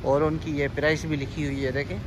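A man with a fairly high, fairly flat voice talks a little quickly as he strolls through a large indoor supermarket, filming on his phone. This walking store-tour vlogger casually shows off products and reads their prices aloud, with the busy store noise audible all around.

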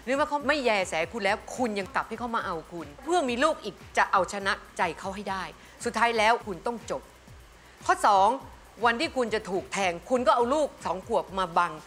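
Bright-voiced blunt woman judge. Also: a little high, animated, fairly quick, faint music behind. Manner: blunt, scolding, direct. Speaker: panel judge. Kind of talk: blunt talk-show verdict.

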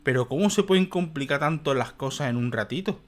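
A man's voice: on the high side, animated, brisk. A young man commentating a video game, exasperated, swearing and muttering to himself. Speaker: gaming youtuber. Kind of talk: let's play commentary.

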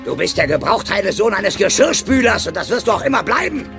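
A scornful robot restaurant owner in an animated children's story. He shouts and bullies in a very high, wildly swooping voice. Music sits clearly behind him. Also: a little fast, exaggerated voice. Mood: scornful rage. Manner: shouting, bullying, contemptuous. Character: furious, scornful male robot restaurant boss. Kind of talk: children's animated film dialogue.

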